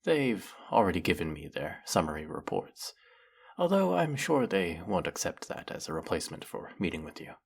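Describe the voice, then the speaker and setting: A man playing a flirty, fanatically devoted demon familiar in a dramatic audio roleplay, with fawning, formal diction and a breathy, husky voice. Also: low-pitched, sing-song, normal speed, full character voice. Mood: dutiful, menacing. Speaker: voice actor. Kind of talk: dramatic roleplay monologue spoken to the listener.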